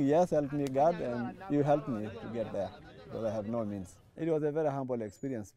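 A middle-aged man from Tanzania, telling his story in an interview, reflective and thoughtful, pausing and restarting often. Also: medium pitch, dark tone. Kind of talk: testimony interview. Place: outdoors by a lawn. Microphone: lapel mic.

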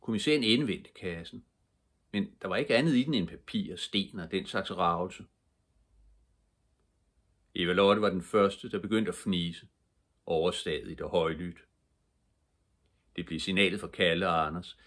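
An older man reading a children's book aloud as a bedtime story, in a calm, even storytelling manner. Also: sits low, long pauses. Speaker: storybook reader.

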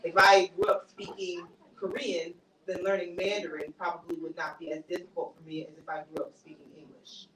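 A woman's voice: lowish voice, level tone, brisk, hardly any pauses, noisy background. Woman author chatting thru a q&a at a bookstore talk, roomy echo, kinda distant mic. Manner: conversational, laughs easily, many fillers. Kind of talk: casual lecture with audience Q&A. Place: small bookstore cafe event space. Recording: echoey room, mic far off.

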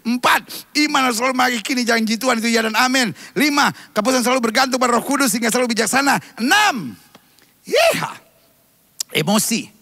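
A man preaching an animated sermon, his voice a little strained from coughing, switching from jokes to sudden shouts and soft asides. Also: very high voice, fast, dry recording. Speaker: pastor. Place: church stage.

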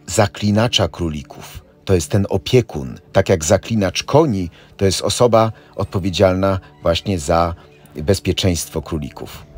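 A middle-aged man with a husky voice, a tour guide narrating a voice-over and listing facts steadily. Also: fairly low pitch. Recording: voice-over with faint background music. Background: faint music.

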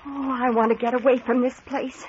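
A woman's voice: high voice, flat delivery, normal speed, close to an everyday voice. An actress playing an anxious, insistent young woman in a 1940s radio mystery. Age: young adult. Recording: muffled, noisy old radio recording.

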